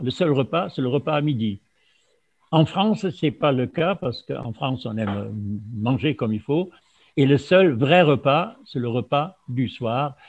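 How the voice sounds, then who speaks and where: Halting German man on a dull recording. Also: medium pitch, darkish tone. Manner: halting, many fillers and restarts. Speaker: speaker on fasting. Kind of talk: informal lecture to an audience. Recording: dull lo-fi sound.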